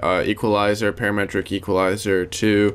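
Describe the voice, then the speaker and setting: At a moderate pace, a man speaks in an unremarkable speaking voice pitched fairly low. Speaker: music producer and mixing engineer. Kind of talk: tutorial. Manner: casual, with many fillers.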